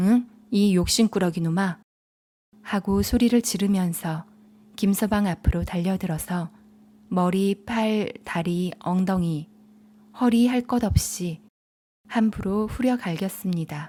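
At a very slow pace with long, frequent pauses, the voice sounds somewhat breathy, with a dark, mellow tone, a calm, soothing manner, and ordinary pitch variation. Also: woman, medium pitch for a woman. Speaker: audiobook narrator. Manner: calm, soothing, unhurried storytelling pace.

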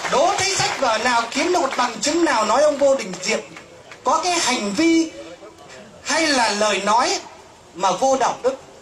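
Pausing long and often, a man with a high pitch talks at a fairly slow pace against light background noise. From northern Vietnam. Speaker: monk; speaker. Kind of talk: speech. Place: garden. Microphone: handheld.

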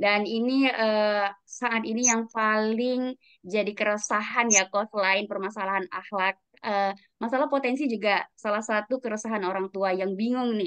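A woman with a plain, everyday voice talks at a moderate pace and a fairly high pitch. Her intonation is fairly even, and the background is quiet. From Riau Islands, Indonesia. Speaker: public speaking trainer. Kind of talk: online webinar talk. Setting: video call. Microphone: video call.

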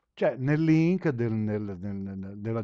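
A man with a non-native accent speaks in a dark, mellow tone, his pitch swinging very widely. The sound is dry and close with no echo, over a quiet background. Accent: non-native-sounding Italian, out of practice. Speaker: CAD/CAM tutorial maker. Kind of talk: screen-recorded tutorial. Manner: halting, many fillers.

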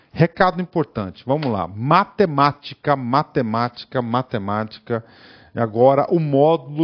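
Speaking fairly slowly at a medium pitch, a man uses lively intonation over a quiet background. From Brazil. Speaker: online course teacher. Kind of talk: lecture. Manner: animated. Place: studio. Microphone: headset.

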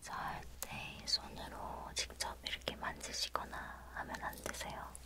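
A woman whispers. Her pace is very slow. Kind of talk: roleplay talk to the viewer. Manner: soft close ASMR speaking. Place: home room.

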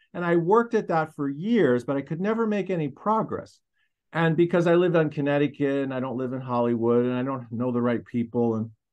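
Over a quiet background, a man with an American accent and an unremarkable speaking voice talks at a fairly quick pace, fairly high in pitch with lively intonation. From United States. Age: 60s. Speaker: music composer. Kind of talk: casual interview. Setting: video call. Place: studio. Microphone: video call.

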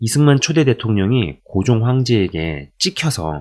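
On a very clean recording with a silent background, a man with a fairly low pitch swings very widely in tone. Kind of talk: book review monologue. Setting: home video recording with camera.

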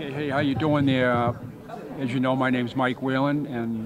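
A man speaks at a moderate pace in a monotone, flat intonation. Crowd noise can be heard behind him. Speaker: friend of the deceased. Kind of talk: memorial tribute. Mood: warm, reminiscent. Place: hall. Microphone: studio mic.

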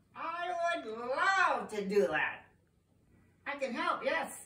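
A woman puts on a cartoonish character voice, high in pitch. She speaks very slowly. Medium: puppet. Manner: eager, cheerful.

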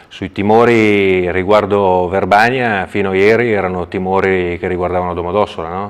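A man's very deep, low voice at a moderate pace, monotone and flat, with hardly any pauses. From Piedmont, Italy. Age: 40s. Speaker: regional councillor, politician. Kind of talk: TV interview. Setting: studio. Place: studio. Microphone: lapel.

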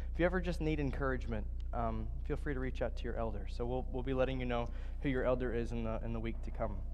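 Speech races at a very fast pace with vocal fry and monotone, flat intonation. Light background noise sits behind it. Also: man, very deep, low pitch for a man. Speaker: minister. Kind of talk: church announcements. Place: church.

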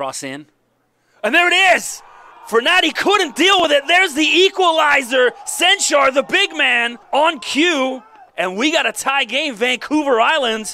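A man raises and projects his voice at an extremely high pitch, speaking at a fairly slow pace with lively intonation in a dry sound with no echo. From Toronto, Canada. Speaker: soccer play-by-play announcer. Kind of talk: live sports play-by-play commentary.

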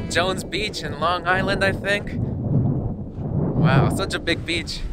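With music in the background, a man talks at a very slow pace with ordinary pitch variation. The sound is dry, with no echo. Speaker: travel vlogger. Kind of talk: casual vlog chat. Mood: excited, cheerful. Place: beach. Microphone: phone near.

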